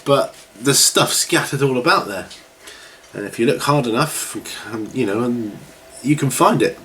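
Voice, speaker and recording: A man's voice: mid-range voice, expressive, a little slow, fairly bright tone. A middle-aged man with a slightly congested voice, chatting casually and in a rambling way as the host of a video series. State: recovering from a cold, with a cough. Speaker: host of a hobby question-and-answer video series. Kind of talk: casual chat to camera. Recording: clearly noisy home recording.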